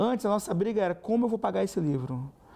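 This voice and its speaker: A man talks at a high pitch. His tone is dark and mellow. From northern Espírito Santo, Brazil (Pedro Canário); Espírito Santo, Brazil. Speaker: writer and book editor; interviewee. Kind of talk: interview; interview answer. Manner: halting, many repetitions. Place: hall. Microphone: lapel.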